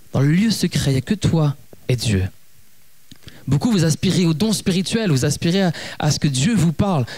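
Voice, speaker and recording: A man speaks with lively intonation and very even loudness at a moderate pace, leaving long, frequent pauses. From abroad, outside France. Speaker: youth pastor. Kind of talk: sermon. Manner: halting, with repetitions.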